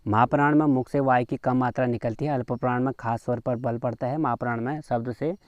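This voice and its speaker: A man's voice: medium pitch, fairly even intonation, brisk, no room sound, muffled recording. Guy going thru grammar quiz questions one by one, explains answers, says "uh" a lot, calls viewers friends. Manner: addresses viewers as friends, with frequent "uh" fillers. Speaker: teacher. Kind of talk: quiz-style Hindi grammar lesson.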